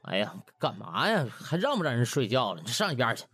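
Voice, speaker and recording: Guy doing a whiny cheeky young doctor, grumbles a lot, husky and super animated, comedy audiobook. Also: medium pitch, fairly quick, heavily acted. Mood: grumpy. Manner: whiny, sarcastic, stammering protests. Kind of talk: comic audiobook drama acting.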